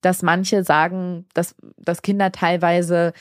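A woman's voice: lowish voice, level tone, slow, dry recording, clean studio sound. A woman in her thirties co-hosting a podcast, speaking earnestly and reflectively in a long casual conversation. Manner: earnest, reflective, talks at length with many restarts. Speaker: podcast co-host.

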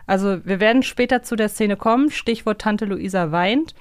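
Female podcast co-host, mid-pitched, reflective and conversational, recorded dry. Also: moderate pace, no echo. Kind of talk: casual podcast discussion.

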